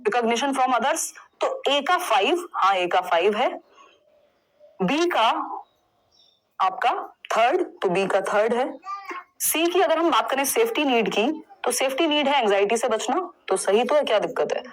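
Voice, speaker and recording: Chatty woman teacher, slightly high voice. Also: lively intonation, unhurried, poor audio. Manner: conversational, reassuring, mixes English terms into Hindi. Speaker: exam prep teacher. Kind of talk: online lesson, explaining test answers.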